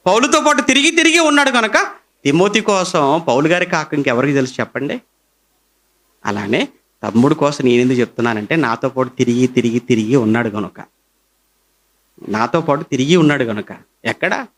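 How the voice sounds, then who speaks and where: A middle-aged man with a Telugu accent, preaching a sermon as pastor, his pitch swinging high and low as he presses his points. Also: animated, brisk, pauses often, a bit bright.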